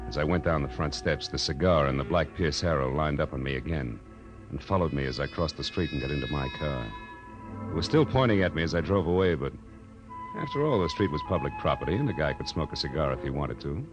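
An actor playing a wry, slangy, hard-boiled private detective in a 1940s radio drama. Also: male voice, rumbling low, animated, quick pace. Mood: wry narration. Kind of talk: 1940s radio detective acting and first-person narration. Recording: old radio drama with music.

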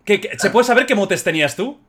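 A man with a Spain Spanish accent hosts an interview, asking quick, curious follow-up questions. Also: high voice, expressive, fairly bright tone. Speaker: podcast host. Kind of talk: casual interview.

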